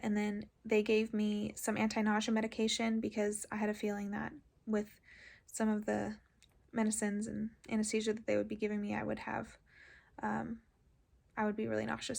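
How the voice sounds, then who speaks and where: A woman talks casually about her own experience, as if in a personal vlog. Her voice has a gravelly fry and stays fairly flat in pitch. She moves along haltingly, padding her sentences with filler words. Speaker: patient vlogger recounting surgery.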